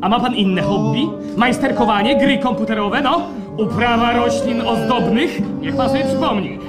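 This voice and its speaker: A man's voice: very high voice, moderate pace, over loud music. A man in a radio play playing a persistent, patronizing official who coaxes his captive with insistent, repetitive urging. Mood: insistent, badgering. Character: pushy, persistent male bureaucrat of happiness, smugly coaxing his captive. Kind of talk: live radio play acting.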